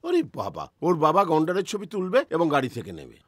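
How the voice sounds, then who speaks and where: An actor playing a shrewd middle-aged family patriarch and politician in a film drama, speaking with calculating authority. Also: male voice, fairly high pitch, huge pitch swings, a little fast, dry recording. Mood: amused storytelling.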